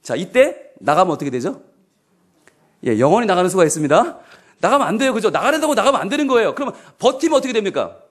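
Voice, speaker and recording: High-voiced, lively man preaching. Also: quick pace. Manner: animated, humorous, asks the congregation questions. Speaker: pastor. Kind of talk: sermon. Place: church, midweek service.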